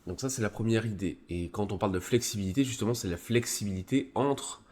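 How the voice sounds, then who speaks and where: A man with a deep, low voice talks through a psychology article on his live stream. He has a cold. He speaks casually and hesitantly, full of fillers and restarts. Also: fast talker, a little mellow. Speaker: streamer presenting a psychology review.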